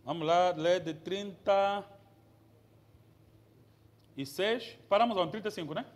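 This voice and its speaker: A man, a pastor teaching from the Bible who moves between easy explanation and forceful preaching, asking the congregation questions. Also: sits high, unhurried. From Angola.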